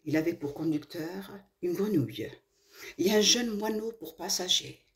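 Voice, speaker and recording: A woman from Morocco telling a children's tale expressively, with dramatic pauses and hushed phrases. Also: lowish voice. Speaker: storyteller.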